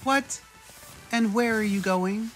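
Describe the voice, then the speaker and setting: Worried, commanding mom for a dramatic story, played by a man; urgent, raised pitch, music underneath. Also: slow. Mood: stern. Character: worried, firm mother of a teenage girl.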